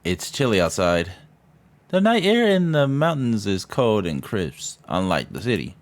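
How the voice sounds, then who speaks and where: A man's voice: on the low side, very animated, a little slow. A man reading a visual novel aloud as a streamer, with casual, irreverent asides. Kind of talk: casual let's-play translation with commentary. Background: game music.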